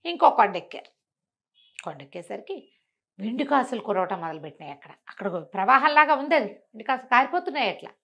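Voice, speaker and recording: A woman telling devotional stories conversationally, in an expressive, emphatic way that repeats phrases for effect. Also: on the high side, fast, dull audio. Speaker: storyteller and talk show guest.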